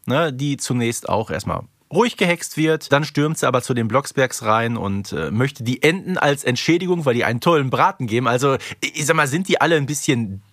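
A man's voice: mid-range voice, animated, fairly quick, few pauses, fairly bright tone, dry recording, clean studio sound. A man co-hosting a podcast in casual chat, wry and playfully ironic. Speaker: podcast co-host. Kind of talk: casual chat recapping an audio drama.

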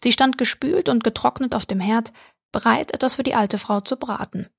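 A woman reading a short story aloud as an audiobook narrator, calm and even, close to the mic. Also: fairly high pitch, normal speed, creaky, breathy edge, dry recording. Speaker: audiobook reader. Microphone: close studio mic.

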